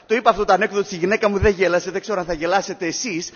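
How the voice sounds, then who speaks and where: A male preacher with a high, husky voice gives a sermon and moves between emphatic lines and hushed asides. He sounds dull and lo-fi, with a long reverb from a large hall. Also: fairly even intonation. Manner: storytelling, rising emphatic then dropping to hushed.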